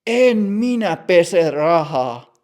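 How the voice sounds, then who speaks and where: A man voicing a nervous young man at a bank counter, talking hesitantly with a gravelly voice. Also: sits high, lively intonation, a little mellow, voice pushed up. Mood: flustered. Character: flustered young man opening an account.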